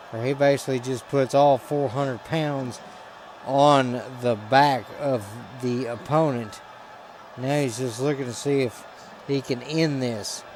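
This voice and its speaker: Male play-by-play caller, medium pitch, game wrestling commentary, builds excitement on big spots. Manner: excitable, rises to shouting on big moves.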